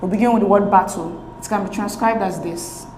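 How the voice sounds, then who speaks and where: A woman teaching an exam-prep lesson at a middling pitch. She reads each question aloud and explains the answers in a steady, methodical way. Her voice rings in an echoey room with a faint hum behind it. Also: fairly quick. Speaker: teacher and channel host.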